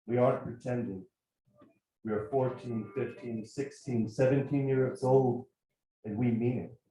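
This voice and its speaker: A man reading a first-person literary piece aloud at a live event, measured and reflective in his delivery. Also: medium pitch, steady tone, dark tone. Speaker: actor reading a writer's piece. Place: bar event space, indoors. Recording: very echoey room, faint music.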